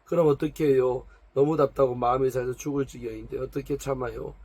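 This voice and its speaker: A man's voice: mid-range voice, fairly even intonation, quick pace, gravelly, darkish tone, no echo. A man reading as a proud, complaining 45-year-old woman. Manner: complaining, defensive, pleading. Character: proud, tearful woman of 45 from a noble family. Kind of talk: reading a story aloud.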